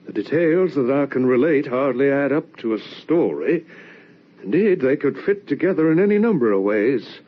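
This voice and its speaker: An actor playing a troubled, sickly young gentleman from a well-off family, weary, brooding and quick to snap, in an old radio drama. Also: medium pitch, lively intonation, lightly acted. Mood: brooding narration. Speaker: narrator and lead character. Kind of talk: 1940s radio acting. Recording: dull old radio recording.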